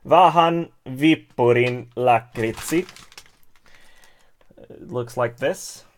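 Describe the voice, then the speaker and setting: Slow, halting man streaming. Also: medium pitch, slight background noise. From Stockholm, Sweden. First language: Swedish. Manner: halting, chuckly, lots of fillers. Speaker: YouTuber hosting a live stream. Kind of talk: casual live-stream chat. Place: home setup at a table.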